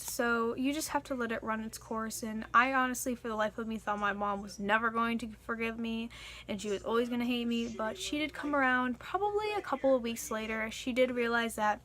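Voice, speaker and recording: Young woman vlogger, pitched a bit high, chatty and earnest, loose casual delivery with fillers. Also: fairly bright tone. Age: young adult. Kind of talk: casual Q and A vlog.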